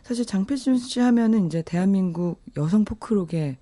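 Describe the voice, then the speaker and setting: A woman's voice: mid-range voice, expressive, fairly quick, mellow, no room sound. A woman talking about songs as a radio guest, in a polite, reflective and appreciative conversational style. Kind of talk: soft conversational music talk. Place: radio studio. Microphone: close studio microphone.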